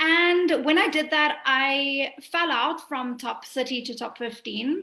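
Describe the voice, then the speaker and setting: A woman with a South African accent uses a raised, projected voice in a bright, sharp tone. Her pitch is high with ordinary variation, and her pace is very slow. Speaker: pageant contestant. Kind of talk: testimonial interview.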